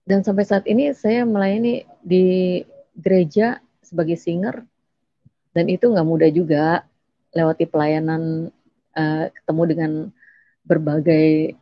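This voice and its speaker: A woman's voice: deep voice, fairly even intonation, a little slow, pauses often, no echo, dull audio. A middle-aged woman and church singer telling her personal testimony in casual talk, repeating phrases and livening up when she quotes others.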